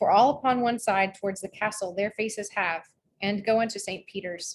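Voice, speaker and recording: Somewhat breathy, a woman speaks at a moderate pace with medium pitch and fairly even intonation. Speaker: amateur poetry reader. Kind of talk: poetry reading. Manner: some stumbles over words.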